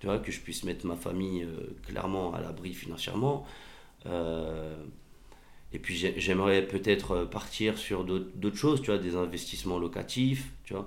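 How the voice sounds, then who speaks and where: A man with a very deep, low pitch speaks at a fairly slow pace. His pitch varies in an ordinary way, and audible room echo is present. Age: 30s. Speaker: tradesman running an interior renovation business. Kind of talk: casual interview. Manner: hesitant, many fillers.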